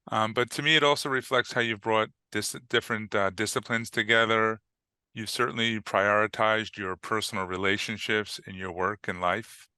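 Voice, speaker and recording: Crisp, bright-voiced male interviewer. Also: lowish voice, no room sound. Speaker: podcast host, interviewer. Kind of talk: prepared interview questions. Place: podcast studio.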